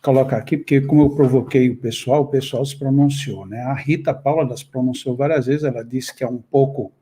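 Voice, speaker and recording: A man with a Brazilian Portuguese accent, co-hosting a live talk and reading viewers' comments aloud in a lively, playful way. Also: mid-range voice, a little fast. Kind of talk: casual live chat.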